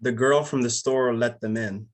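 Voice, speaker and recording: A man's voice: mid-range voice, fairly even intonation, normal speed, close to an everyday voice. A man playing a terse, discontented townsman at a screenplay table read.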